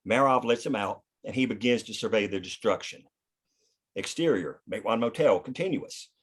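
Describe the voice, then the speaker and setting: A man's voice: fairly low pitch, normal speed, husky. Man reading screenplay stage directions. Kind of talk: scripted screenplay narration at a table read.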